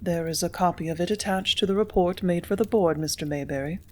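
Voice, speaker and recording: A woman reading the part of a composed young office clerk who answers quietly, firmly and tartly. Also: lowish voice, moderate pace, natural voice. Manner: quiet, firm, tart.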